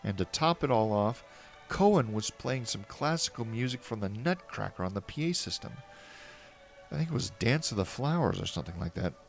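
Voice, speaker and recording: A man's voice: fairly low pitch, expressive, brisk, gravelly, soft background music. A man narrating a first-person fan fiction story in a wry, earnest way.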